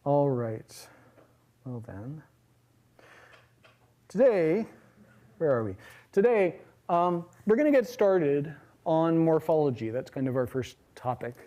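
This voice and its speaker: A middle-aged man lectures to students in a large hall, rambling comfortably through examples with plenty of fillers. His voice sits a touch high yet sounds mellow and soft. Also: takes it slowly, long pauses, muffled recording. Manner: relaxed, chatty, many fillers and asides. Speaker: linguistics lecturer. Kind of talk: university lecture.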